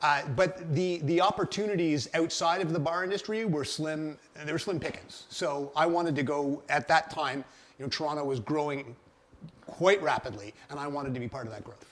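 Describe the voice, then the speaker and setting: With a Montreal accent, a man with a fairly high pitch talks at a moderate pace, his pitch varying in an ordinary way and his loudness swinging widely. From Montreal, Quebec. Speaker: real estate investor, former restaurateur. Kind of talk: interview conversation.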